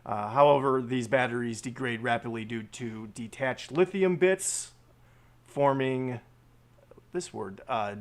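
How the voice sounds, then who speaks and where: Male stream host, mid-pitched, reads articles aloud with halting fillers and restarts. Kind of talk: reading and discussing news articles.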